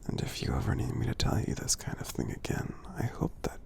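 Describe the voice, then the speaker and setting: A man voicing a friendly, gentle giant in an ASMR roleplay, tender and encouraging, in a breathy, gravelly whisper with slow, soothing, halting delivery. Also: medium pitch, wildly swooping pitch, exaggerated voice. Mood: affectionate. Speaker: ASMR performer.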